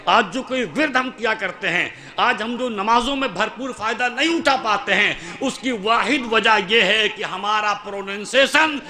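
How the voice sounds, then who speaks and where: A male preacher with a high, bright voice delivers an oratorical sermon at an outdoor religious gathering. He guides listeners through chanted invocations. His tone is clear and carries forcefully. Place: outdoor conference in a mosque courtyard.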